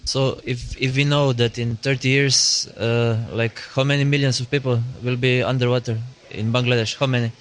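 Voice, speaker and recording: A man thinks aloud at a roundtable, filling pauses as he goes. He speaks at a mid pitch with very little melody. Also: flat delivery. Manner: hesitant, many fillers. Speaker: roundtable participant. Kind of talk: casual roundtable discussion.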